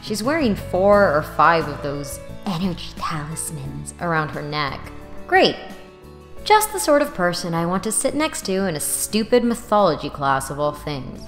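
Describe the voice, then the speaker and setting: A broke, exasperated young woman telling her own story in an audio drama. Her delivery is sarcastic and self-deprecating, with highly animated pitch. The voice sits in a long reverb with music clearly behind it. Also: moderate pace. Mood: sarcastic, irritated. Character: snarky, exasperated 24-year-old woman, broke college student. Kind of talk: first-person audio drama narration.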